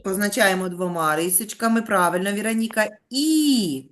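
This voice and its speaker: A woman's voice: mid-range voice, expressive, normal speed. A woman teaching young children on a video call, patient and coaxing, praising them with pet names. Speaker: primary school teacher. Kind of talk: online lesson for young children.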